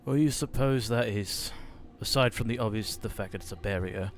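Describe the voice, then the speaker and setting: A man playing in a tabletop game, speaking hesitantly with many pauses. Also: lowish voice. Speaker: player. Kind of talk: tabletop role-play, in and out of character.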